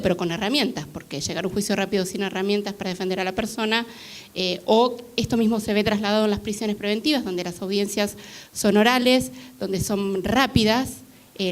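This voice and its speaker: A woman giving a comment from the audience at a law panel, hesitant and full of filler sounds. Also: mid-range voice. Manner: hesitant, many filler "eh"s and restarts. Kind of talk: public Q&A comment. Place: university lecture hall.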